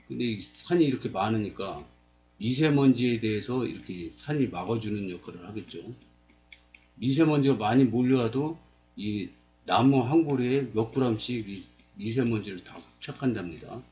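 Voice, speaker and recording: A man in his fifties explains a map to his viewers in a plain, steady voice at a middle pitch. He often asks rhetorical questions and then answers them himself. The recording sounds slightly dull and lo-fi. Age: 50s. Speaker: video blogger. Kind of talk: explaining while pointing at a map.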